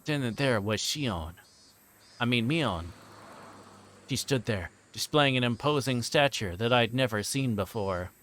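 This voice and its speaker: A man livestreams a visual novel, alternating between reading the game text aloud and rambling, joking chat with his viewers. His medium-pitched voice is a bit bright, with lively intonation and a measured pace.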